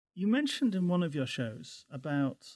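The voice is a man's and somewhat breathy. Behind him, the background stays quiet. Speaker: podcast host. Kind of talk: podcast hosting, casual banter.

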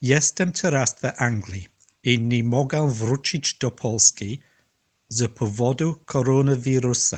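Against a quiet background, a man talks very slowly in a somewhat breathy voice with ordinary pitch variation, the sound dry and close with no echo. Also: medium pitch for a man. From England. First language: English (speaking Polish). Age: 60s. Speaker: language learner. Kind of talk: recorded message. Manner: halting.

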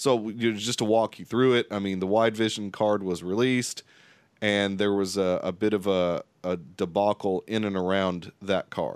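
In a very clean recording with a silent background and a dry, close sound with no echo, a man with a plain, everyday voice and fairly low pitch talks at a moderate pace with fairly even intonation. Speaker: podcast co-host. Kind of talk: casual chat.

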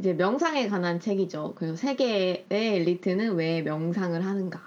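A plain, everyday voice moves at a fairly slow pace with ordinary pitch variation. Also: woman. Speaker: co-host or guest on podcast.

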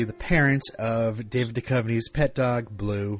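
A man at a fairly slow pace, fairly even intonation, with music in the background. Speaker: podcast host. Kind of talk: casual comedic podcast banter.

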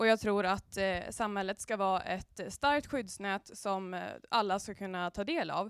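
A woman with an unremarkable speaking voice talks at a medium pitch and fairly slow pace in a very clean recording with a silent background and a dry, close sound with no echo. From Åtvidaberg, Östergötland, Sweden. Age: 20s. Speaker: politician and student teacher. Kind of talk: panel discussion. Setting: stage with audience in a church.

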